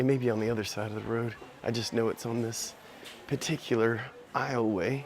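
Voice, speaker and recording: A man speaks quietly at a fairly quick pace, with long, frequent pauses. His pitch is medium, with ordinary pitch variation. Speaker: travel vlogger. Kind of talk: live stream walking tour. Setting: outdoors at a market. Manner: speaking quietly.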